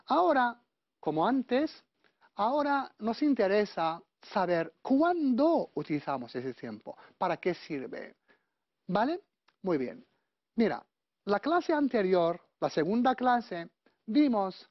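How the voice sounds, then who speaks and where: A woman teaching Spanish grammar, drilling verb forms slowly and checking in with her class. Her voice sits on the low side and swings widely in pitch. The recording is dry and a little dull. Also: dry recording. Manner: slow, deliberate conjugation drills, checking with "¿vale?". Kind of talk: grammar lesson.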